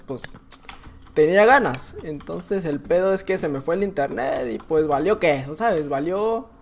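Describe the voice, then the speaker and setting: A man with a Mexican Spanish accent giving casual, excitable gameplay commentary, full of slang, laughing and often shouting. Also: high voice. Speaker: gaming YouTuber.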